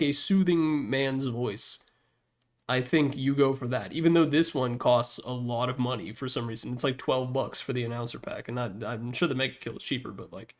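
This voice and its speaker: A young man giving casual, opinionated commentary on video games in an informal, slangy, joking way. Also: medium pitch.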